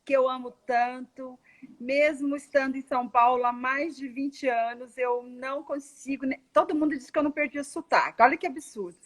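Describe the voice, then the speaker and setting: A woman from Goiânia in Brazil, hosting a live video interview and chatting warmly while telling stories. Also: sits high, steady tone, moderate pace. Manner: chatty, storytelling, laughs easily. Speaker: host.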